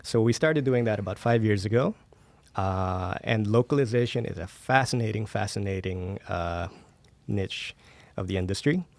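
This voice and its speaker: A man's voice: on the low side, normal speed, gravelly, a little mellow, dry recording. A man from the Philippines speaking as an interview guest, explaining his work conversationally. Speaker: interview guest, audio studio owner.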